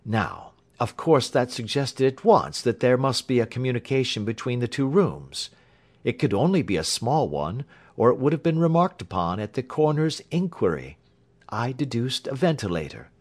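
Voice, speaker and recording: A man voicing a sharp-minded male detective, speaking in a crisp, explanatory manner. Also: mid-range voice, very animated, moderate pace, voice pushed up. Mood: intense. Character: Holmes, sharp reasoning male detective, adult.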